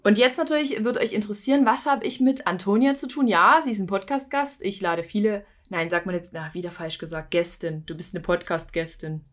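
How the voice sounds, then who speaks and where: A woman hosting a casual podcast chat from a hotel room, talkative and quick to correct herself. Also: mid-range voice. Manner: chatty, self-correcting, laughs at herself. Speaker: podcast host.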